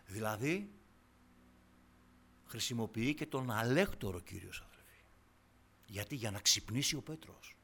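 A man preaching a sermon to his congregation, impassioned, dropping to hushed tones and then rising to loud, fervent exclamations. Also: lowish voice, lively intonation, creaky, long pauses, breathy edge.

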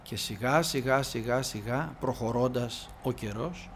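A man's voice: medium pitch, slight background noise. A man preaching a sermon in Greek, telling biblical stories with acted-out dialogue and repeating words for emphasis. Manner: animated storytelling, acting out biblical dialogue.

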